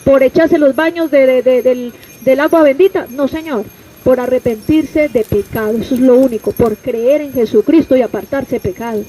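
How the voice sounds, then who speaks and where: High-voiced Colombian woman street preacher. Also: moderate pace, mellow, husky, low-quality recording. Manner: preaching with rhetorical questions and direct address. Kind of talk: open-air street sermon. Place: outdoors on a city street.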